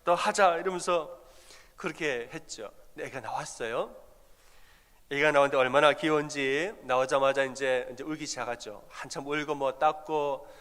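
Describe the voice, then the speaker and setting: A man's voice: mid-range voice, moderate pace, a bit bright. A male pastor preaching a sermon in a conversational storytelling manner, asking the congregation questions as he goes. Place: church sanctuary. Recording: long reverb of a church hall.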